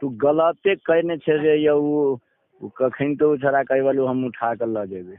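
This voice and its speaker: A man's voice: mid-range voice, takes it slowly, dry recording. Maithili man on a tinny phone. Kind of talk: casual phone chat. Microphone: phone call. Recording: tinny narrowband phone line.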